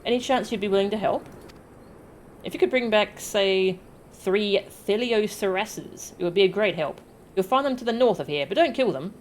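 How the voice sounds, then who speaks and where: A woman's voice: medium pitch, normal speed, slight background noise, natural voice, rough recording. A woman voicing a friendly, chatty tribal villager from a video game, apologetic and reassuring. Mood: upbeat, reassuring. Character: hungry, friendly tribal villager asking for hunting help. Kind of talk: voiced reading of video game dialogue.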